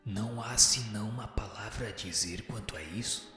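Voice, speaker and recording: An actor playing a wise, solemn male spirit who teaches in a formal, measured radio drama manner. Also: fairly low pitch, bright, forceful tone. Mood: firm, didactic. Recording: reverberant echoing hall, music underneath. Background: music.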